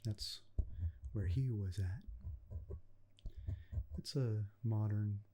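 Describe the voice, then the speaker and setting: In a soft-spoken ASMR roleplay, a man plays an earnest, kindly video game repairman, gentle, folksy and unhurried, slipping toward a whisper close to the microphone. His voice is fairly low, there's background noise, and the mood is wistful storytelling.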